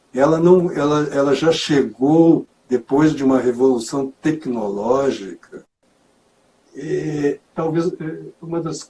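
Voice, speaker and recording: A man speaks very slowly at a fairly high pitch. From southern Brazil, Rio Grande do Sul. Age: 60s. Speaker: guest speaker on inner life and art. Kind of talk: casual conversation.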